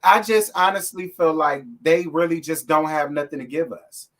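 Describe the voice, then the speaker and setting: A co-host chats casually about gossip, sounding laid-back and mostly agreeing, then dropping blunt asides. The voice sits at a medium pitch. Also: moderate pace.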